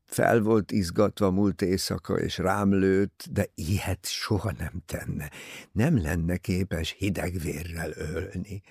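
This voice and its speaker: A man reading an audiobook, voicing a wounded, frightened young husband who talks in a strained, halting way. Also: low voice, steady tone, creaky, a little mellow, breathy edge, no echo, clean studio sound, exaggerated voice.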